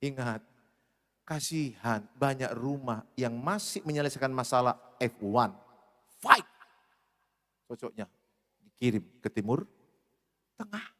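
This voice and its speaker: A man preaching a sermon as pastor, speaking in a humorous, animated way. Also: mid-range voice, measured pace, long pauses. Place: church hall. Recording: reverberant church hall.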